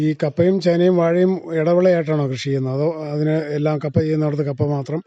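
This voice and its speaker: A man's voice: a little high, flat delivery, quick pace, mellow, no echo. A man, asking questions as a radio interviewer. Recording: dull, muffled radio recording.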